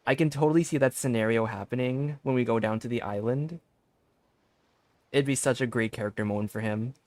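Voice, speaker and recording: A man's voice: medium pitch, fairly quick, darkish tone, no echo. A man giving casual gameplay commentary as a streamer on a close mic. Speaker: game streamer. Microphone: close mic, dry. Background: faint game music.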